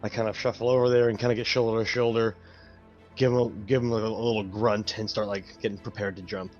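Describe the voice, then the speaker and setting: A man's voice: on the low side, little pitch movement, quick pace, a little mellow, soft background music. A man playing a tabletop game, describing his moves in casual chat through a dull lo-fi mic.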